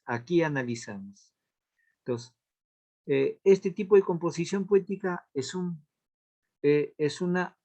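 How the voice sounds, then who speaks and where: A man teaching a literature class in a recorded lesson, explaining patiently, repeating key points and often checking in with a quick question. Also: on the high side, darkish tone. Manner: counts out verses aloud slowly.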